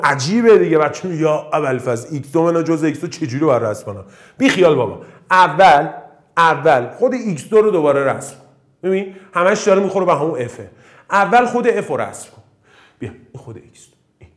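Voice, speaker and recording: A man from Iran teaching an exam-prep math lesson, joking and swinging between loud bursts and low muttering.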